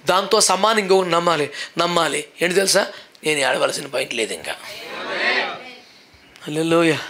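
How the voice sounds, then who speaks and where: Animated preaching man, high bright voice. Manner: animated preaching, mixing in English, shouting praises. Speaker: pastor. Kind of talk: lively sermon. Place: church service.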